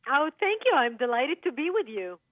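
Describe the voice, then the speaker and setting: A woman's voice: sits high, big pitch swings, moderate pace, no echo. A woman from Lebanon speaking earnestly as a guest in a radio interview over the phone. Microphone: telephone. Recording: tinny phone line.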